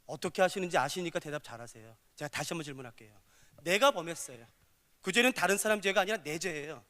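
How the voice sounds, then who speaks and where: A man's voice: a little high, fast talker. A man preaching a sermon to a congregation, asking them questions and acting out short dialogues with God. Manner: lively, acts out dialogues with God. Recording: long reverb of a hall.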